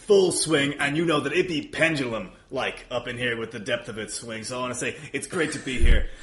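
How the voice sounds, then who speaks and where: Casting: man, average pitch, wry showman promoting casually, repeats himself, recorded in a roomy, echoing space. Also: a little fast, fairly bright tone. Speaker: podcast guest, event promoter. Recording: roomy echo, faint background noise.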